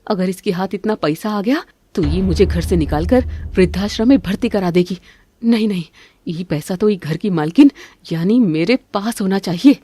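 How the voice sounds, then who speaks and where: A woman voicing a greedy, scheming middle-aged mother-in-law in an animated family cartoon, bossy and grumbling. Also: medium pitch, moderate pace, husky.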